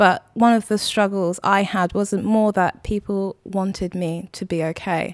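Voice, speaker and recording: In a very clean, silent recording with a dry, close sound and no echo, a woman with a London accent speaks at a fairly slow pace and medium pitch, using monotone, flat intonation and hardly any pauses. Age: 20s. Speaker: painter. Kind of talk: interview. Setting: artist's studio.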